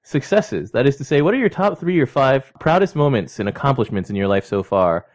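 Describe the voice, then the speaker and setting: A man's voice: mid-range voice, very animated, a little fast. Laughing man in his thirties reading listener mail. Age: 30s. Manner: laughs often, reads letters aloud. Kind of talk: casual podcast chat.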